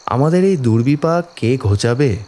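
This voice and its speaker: A man's voice: medium pitch, lively intonation, normal speed, dark tone, close to an everyday voice. A man playing a distraught village father in an audio horror story, pleading tearfully and deferentially for his afflicted daughter. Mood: anguished, pleading. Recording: background music under the voice. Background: dramatic music.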